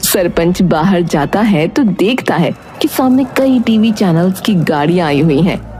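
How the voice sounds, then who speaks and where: A woman's voice: on the low side, expressive, a little slow, mellow, soft background music. A woman giving scripted narration for a moral story.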